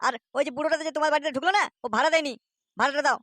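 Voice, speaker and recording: A woman's voice: high-pitched, steady tone, racing, sharp tone, no room sound. A woman voicing a brash, quarrelsome young male auto-rickshaw driver in a cartoon who swears a lot. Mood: angry. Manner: cursing, quarrelsome. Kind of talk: cartoon voice acting.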